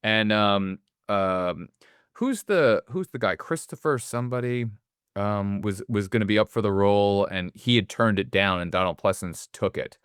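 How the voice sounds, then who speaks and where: A man's voice: fairly low pitch, moderate pace, fairly bright tone, smooth, no room sound, studio quality. A man co-hosting a casual film podcast, rambling and swearing freely as he talks. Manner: rambling, swears freely, stumbles over restarts. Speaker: podcast co-host.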